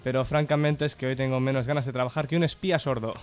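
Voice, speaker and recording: A man co-hosting a local radio comedy show, telling jokes with easygoing, deadpan one-liners. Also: mid-range voice, quick pace, soft background music.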